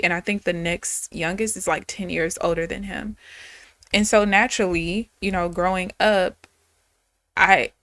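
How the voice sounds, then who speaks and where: A woman in her thirties talks with a somewhat low voice in a candid, chatty live-stream manner, addressing her viewers directly. The sound is close and dry, with no room around it. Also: a bit bright, dry recording. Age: 30s. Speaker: day trader streaming live. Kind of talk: casual live-stream chat.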